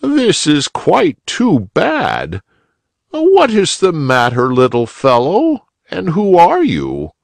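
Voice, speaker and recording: A man voicing a polite, kind old rabbit gentleman in a gentle, fussy way. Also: a little high, wildly swooping pitch, slow pace, gravelly, no room sound, voice pushed up, full character voice. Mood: kindly.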